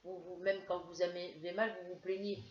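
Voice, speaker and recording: Slight background noise sits under a low-ish, level-toned female voice speaking at normal speed. She's a crafts vlogger from France, headachy and ill, telling viewers a meandering, hesitant story in a casual to-camera chat captured in a roomy, dull lo-fi home setup.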